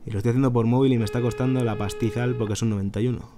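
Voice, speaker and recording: A man's voice: mid-range voice, fairly even intonation, racing. A man with an accent from Spain, talking informally as a caller and commentator, colloquial and indignant. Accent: Spanish, from Spain. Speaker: caller and narrator of his own video. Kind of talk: phone call with informal commentary to viewers. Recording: music behind the voice. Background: music.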